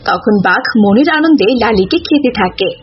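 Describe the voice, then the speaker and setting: A woman's voice: mid-range voice, lively intonation, moderate pace, soft background music. A woman narrator reading a scripted children's animal tale in storybook style. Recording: dull lo-fi audio, clear noise.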